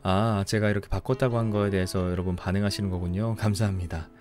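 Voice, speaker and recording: A tired young man from Ulsan, hosting a late-night reading stream, chatting softly and unhurriedly as he thanks listeners. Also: low-pitched, steady tone, soft background music. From Ulsan, South Korea. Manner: soft, unhurried, apologetic and thankful. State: tired after a long broadcast. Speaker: book-reading livestream host. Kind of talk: casual chat reading listener comments.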